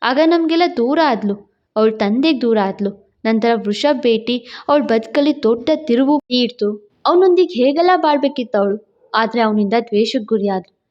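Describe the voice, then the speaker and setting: A tearful older mother, pleading and sorrowful, put on by a woman narrator, in a storybook drama, her voice lower than the narrator's own and a little muffled. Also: lively intonation, normal speed, lightly acted. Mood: worried.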